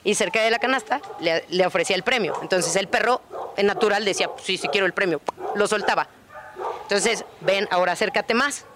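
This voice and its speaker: A woman's voice: mid-range voice, fairly quick, noisy background. A woman with a Mexican accent, a guest on a radio show, talking casually and animatedly about dogs and acting out little dialogues. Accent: Mexican Spanish. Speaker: dog daycare co-founder, guest.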